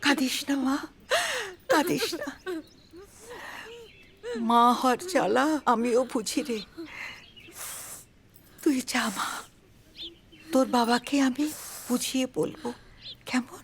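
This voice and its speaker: An actress playing a gentle mother who soothes her daughter and pleads with her husband. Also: on the high side, slow, pauses often, slight background noise. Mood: tearful. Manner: soothing, tearful. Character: tender, pleading middle-aged mother.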